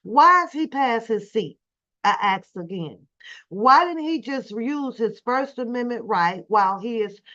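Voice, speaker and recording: An American woman talks casually on her livestream in a somewhat high voice. She comments on clips with indignation and repeats her phrases to press the point. The sound is a little dull and lo-fi. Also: a bit bright. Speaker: livestream host.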